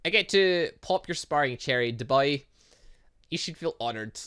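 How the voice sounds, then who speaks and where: An eager young woman fighter in a visual novel, read out by a man. The voice is bright and lively in pitch. She is cocky and teasing, throwing out challenges. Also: normal speed, clear, resonant tone.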